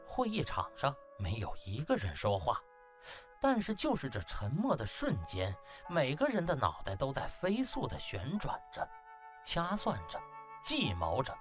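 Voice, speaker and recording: Very animated male audiobook narrator. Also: medium pitch, measured pace, soft background music. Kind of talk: dramatic scripted storytelling.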